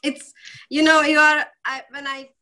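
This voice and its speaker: A middle-aged woman from the Czech Republic, a native Czech speaker, talking as a healer guest in halting English, effusive and laughing often. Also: high-pitched, flat delivery, sharp tone. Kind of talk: conversational interview.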